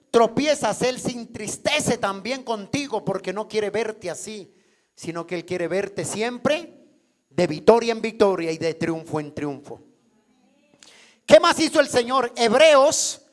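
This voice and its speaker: A male pastor delivers a sermon in a church, his voice pitched remarkably high for a man. He preaches at an unhurried pace, stretching out key words. He keeps throwing questions to the congregation so they will answer back. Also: lively intonation. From Colombia.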